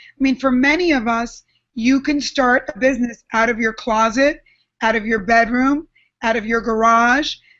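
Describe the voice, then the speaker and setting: A loud, high-pitched woman speaks at a moderate pace with fairly even intonation. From Cuba. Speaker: author and entrepreneur. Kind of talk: interview.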